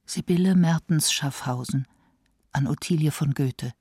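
Guy narrating from a script, husky, medium pitch, very dry recording. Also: unhurried, a little mellow, dry recording. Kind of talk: scripted narration, announcing letters and dates.

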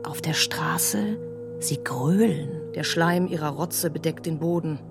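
A woman playing a haunting, anguished voice of memory in a literary radio play, deliberate and often dropping to whispers. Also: sits low, vocal fry, full character voice. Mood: bitter, haunted. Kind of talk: literary radio drama, echoing recitation. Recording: music behind the voice.

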